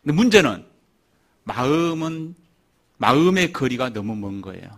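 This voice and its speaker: A man's voice: medium pitch, sing-song, measured pace, a bit bright. A man preaching a sermon, telling a Bible story and acting out the characters' lines. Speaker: pastor.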